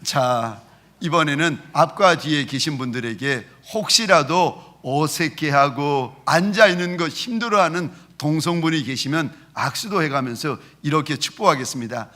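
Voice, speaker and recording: A man preaching a Sunday sermon with a bright, forceful voice pitched a little high. He mimics regional dialects for laughs and leads the congregation in call-and-response. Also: moderate pace. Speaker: pastor.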